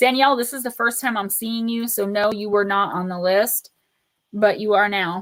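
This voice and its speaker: Fairly high-pitched female speech, moderately paced and fairly even in intonation. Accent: New Jersey. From northern New Jersey (Paterson). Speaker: tarot and oracle card reader. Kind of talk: live-stream card readings and chat. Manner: casual, chatty.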